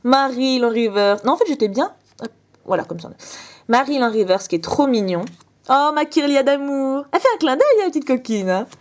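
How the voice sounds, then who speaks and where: A young woman with a fairly high voice chats casually to her viewers as she opens fan mail. She gushes over each item with quick exclamations and little asides to the camera. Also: animated. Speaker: vlogger opening fan mail. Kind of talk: casual unboxing chat.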